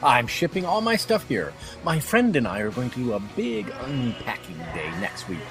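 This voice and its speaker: A man's voice: mid-range voice, sing-song, normal speed, fairly bright tone, soft background music. An actor playing an eager, friendly academic man in naturalistic audio drama dialogue. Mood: hopeful. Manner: friendly, conversational.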